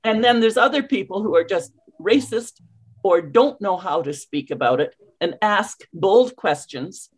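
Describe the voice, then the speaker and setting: An older Canadian woman coaching English on a video call, speaking with crisply enunciated words and an emphatic, storytelling manner. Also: mid-range voice, animated, measured pace. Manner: warm, emphatic, storytelling, with clearly articulated words. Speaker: ESL coach.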